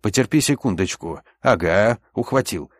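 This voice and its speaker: A man voicing a calm, steady field medic. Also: lowish voice, normal speed, no room sound, studio quality, pitched above the performer's own voice. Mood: calm, focused. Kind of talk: audiobook character voice.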